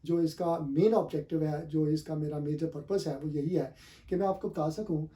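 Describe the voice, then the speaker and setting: A man's voice: a little high, fairly even intonation, normal speed, warm tone. A man with an Urdu-speaking South Asian accent teaching English pronunciation in a classroom style, repeating and stressing the correct forms and spelling words out letter by letter.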